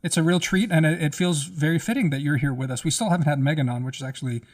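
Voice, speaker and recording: A man co-hosting a podcast, slightly hoarse as he loses his voice, rambling casually with many restarts, speaking very close to the microphone. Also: fairly high pitch, fast, dry recording, distant mic. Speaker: podcast co-host. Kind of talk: casual conversation.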